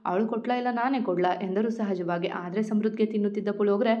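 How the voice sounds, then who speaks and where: A woman narrating a romance story in a steady, expressive reading voice. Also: medium pitch, fast talker. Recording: dull lo-fi recording.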